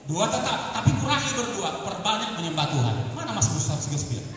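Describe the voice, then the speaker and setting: A man preaching a sermon, moving between plain talk, shouted exhortation and prayer, in a church hall. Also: high-pitched, sing-song, a little fast, recorded from a distance, background noise. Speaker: pastor.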